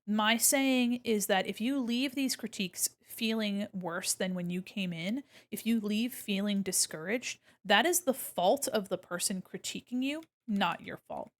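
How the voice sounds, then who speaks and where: A woman streams casually while she draws, talking through each step at a medium pitch. She is gentle and encouraging, explaining things simply like an art teacher chatting with viewers. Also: unhurried, hardly any pauses. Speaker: art streamer and critique host. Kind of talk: casual livestream commentary while drawing, reading chat aloud.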